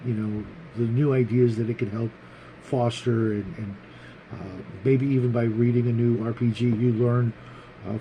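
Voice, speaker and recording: Mellow-voiced man, rambling casually. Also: mid-range voice, slight background noise, low-quality recording. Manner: halting, rambling, repeats words while thinking. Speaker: host of a tabletop role-playing hobby show. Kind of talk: casual unscripted opinion monologue.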